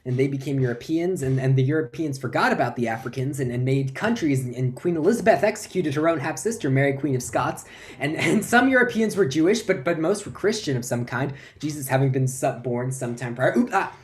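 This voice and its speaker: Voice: mid-range voice, animated, a little fast, close to an everyday voice. A performer playing a flustered, forgetful lecturer who stammers and repeats words through a comic stage monologue. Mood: rambling, unsure.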